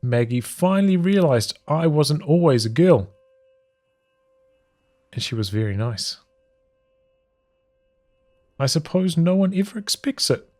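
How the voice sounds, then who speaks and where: Slow-paced man reading a story over music. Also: a little high, animated, a little mellow. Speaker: streamer reading a visual novel aloud. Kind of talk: read-aloud storytelling of journal entries.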